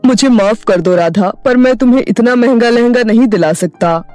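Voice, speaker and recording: A woman voicing a kind young man from the city who speaks gently to his sweetheart in an animated story. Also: on the high side, normal speed, no echo, soft background music, natural voice. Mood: gentle. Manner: gentle and apologetic.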